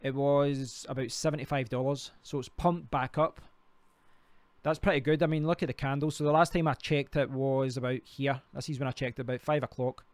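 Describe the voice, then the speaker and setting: A man's voice: mid-range voice, steady tone, a little fast, dry recording. A Scottish man hosting a casual live stream, rambling and talking to himself while clicking through sites. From Scotland. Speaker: crypto livestream host.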